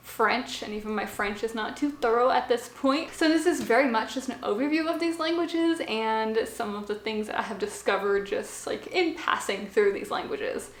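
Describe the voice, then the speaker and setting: Young woman vlogger, casual and chatty, slightly high voice, echoey small room. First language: English. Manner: chatty, with frequent fillers and asides. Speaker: language-learning vlogger. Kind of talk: casual explanatory talk to camera. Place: small home office.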